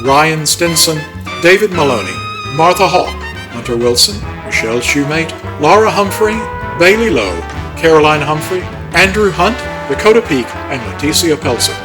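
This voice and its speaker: Lively male radio announcer over music. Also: a little high, moderate pace, rough recording. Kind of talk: old-time radio show announcing.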